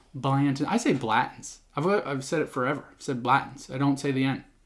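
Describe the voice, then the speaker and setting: Here a man speaks with a Michigan accent. His pitch is medium and his pace fairly quick. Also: very clean recording, silent background. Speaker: whiskey reviewer. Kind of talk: casual review monologue. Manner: rambling, halting with fillers.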